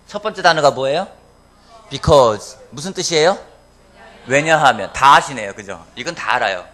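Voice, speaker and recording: A man's voice: on the high side, bright, forceful tone. A male pastor preaching a sermon, often asking the congregation questions and answering them himself. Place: church sanctuary.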